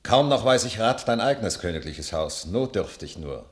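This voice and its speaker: A man's voice: on the low side, animated, moderate pace, lightly acted. A man playing a grave, loyal royal courtier in a classical radio drama, sober and formal. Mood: worried.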